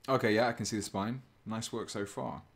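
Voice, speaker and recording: A man with a low, fairly monotone voice, chatting casually on a live stream while he paints miniatures and reads chat. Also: fairly quick. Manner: relaxed, chatty, chuckles often, reads chat aloud. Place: indoors at a painting desk.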